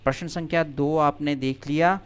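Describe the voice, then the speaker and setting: A man's voice: fairly high pitch, steady tone, smooth. A male teacher in a video lesson, carefully pronouncing Sanskrit words and explaining the answers in plain everyday speech. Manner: slow, deliberate pronunciation drill, then plain explanation.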